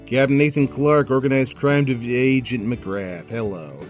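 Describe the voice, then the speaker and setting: An actor playing an easygoing, wry police captain in an audio drama, with a jokey manner. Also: male voice, medium pitch, a little slow, music in the background, close to an everyday voice. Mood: wry, breezy.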